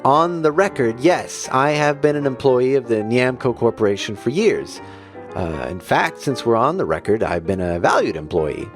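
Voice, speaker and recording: A man's voice: mid-range voice, animated, moderate pace, faint music behind, lightly acted. A man voicing a goofy, laid-back male digger who rambles and stalls with fillers. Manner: rambling, hesitant, full of fillers. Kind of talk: cartoon voice acting.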